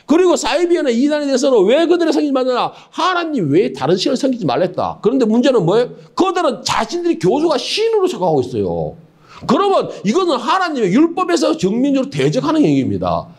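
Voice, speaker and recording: A man's voice: very high-pitched, huge pitch swings, fast. A middle-aged man preaching a sermon as pastor, asking the congregation rhetorical questions and stumbling over many filler words.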